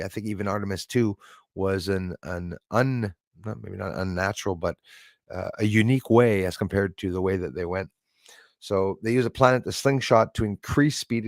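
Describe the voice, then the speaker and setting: Older male streamer, 60s, lower register, rambling and friendly with chat, dry sound. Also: dry recording. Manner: rambling, chatty, thanks viewers by name. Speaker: live stream host. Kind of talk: casual live-stream chat with viewers.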